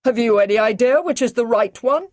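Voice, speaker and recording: A woman voicing a brisk, commanding male army brigadier in an audiobook, giving clipped, urgent orders. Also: fairly high pitch, animated, darkish tone, dry recording, studio quality, pitched above the performer's own voice, lightly acted. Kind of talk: audiobook character reading.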